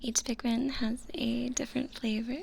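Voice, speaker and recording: A young woman whispering softly and playfully as an ASMR livestream host, close to the microphone, with frequent giggles. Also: on the high side, little pitch movement, moderate pace, vocal fry, slight background noise, rough recording. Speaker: ASMR streamer.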